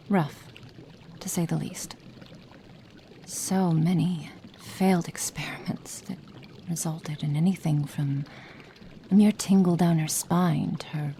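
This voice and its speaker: Woman voicing a cold witch, ASMR roleplay, soft half-whisper, condescending, low voice, faint background hiss. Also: creaky. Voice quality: soft, partly whispered delivery. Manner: haughty, clipped and condescending. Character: cold, impatient female witch experimenter.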